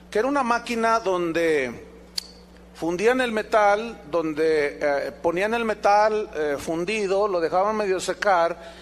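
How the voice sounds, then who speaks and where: Man, pastor, sermon, emphatic, rhetorical questions, high voice. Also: a little hiss or hum.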